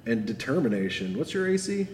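A man, narrating a tabletop game as game master with amused, unhurried delivery, in an echoey room. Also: medium pitch, big pitch swings, darkish tone, slight background noise. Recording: echoey room with faint ambience.

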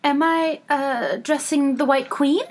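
A woman's voice: fairly high pitch, wildly swooping pitch, moderate pace, slightly rough, exaggerated voice. A woman voicing a polite, puzzled young storybook girl, speaking timidly and courteously, often questioning.

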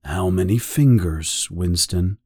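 A man voicing a calm, patient male interrogator who speaks softly and slowly, with quiet menace. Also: low voice, husky, no room sound, voice pushed down, full character voice. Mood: cold, probing. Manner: soft, slow and controlled. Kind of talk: audiobook character voice.

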